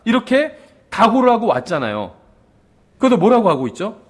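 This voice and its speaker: Animated, high-voiced male pastor preaching. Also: a little fast. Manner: conversational, asks the congregation questions; acts out quoted lines of the father and son. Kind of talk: sermon.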